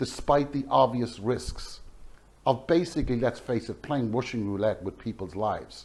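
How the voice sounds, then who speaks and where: An animated man with an Irish accent, medium in pitch and lively in intonation, on a very clean recording with a silent background. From Ireland. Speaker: political commentator. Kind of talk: political commentary vlog.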